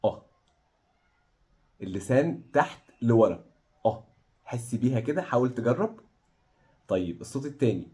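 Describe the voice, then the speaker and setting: A man with an Egyptian Arabic accent teaching pronunciation, encouraging his students and slowly demonstrating vowel sounds over and over. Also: mid-range voice, expressive, a little mellow. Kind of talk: online pronunciation lesson.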